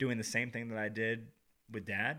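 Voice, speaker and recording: Speaking at a moderate pace in an American accent, a man has a medium-pitched voice with a bright, sharp tone. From Georgia, US (Peachtree City, near Atlanta). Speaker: podcaster, former sheriff's office worker. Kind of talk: personal testimony in interview. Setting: studio, in person.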